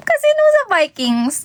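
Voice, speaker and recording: A young woman with a Filipino accent talks to her livestream viewers from her phone. Her voice sits high and swoops widely, and she takes her time. She is chatty and giggly, and greets people by name as they come in. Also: no echo. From Philippines. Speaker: idol livestreamer. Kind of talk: casual livestream chat.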